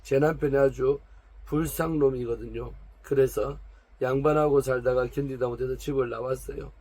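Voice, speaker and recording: A man's voice: mid-range voice, fairly even intonation, moderate pace, a little mellow, lightly acted. A man reading aloud the lines of a proud, complaining woman of 45 from a noble family. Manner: complaining, defensive, pleading.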